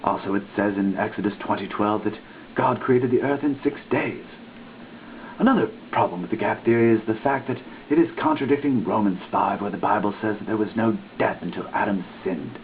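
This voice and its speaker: Tinny lo-fi audio w faint noise, guy doing a theatrical reading of religious text, deliberate and emphatic. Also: fairly low pitch. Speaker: reader. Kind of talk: dramatic reading of a religious dissertation. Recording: muffled lo-fi phone-like sound, background hiss.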